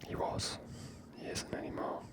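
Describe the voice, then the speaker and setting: This is a whispered voice close to the microphone, giving ASMR game commentary. The host muses aloud in a hushed, unhurried manner, never rising to full voice. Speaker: gaming video host.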